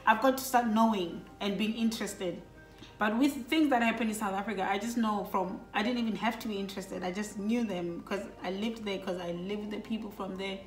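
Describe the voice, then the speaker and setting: A woman's voice: medium pitch, a little fast. A middle-aged woman from Lesotho telling a personal story to her children, casual and reflective, with many fillers. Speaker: vlogger talking with her children. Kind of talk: casual family chat. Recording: roomy echo with faint background music.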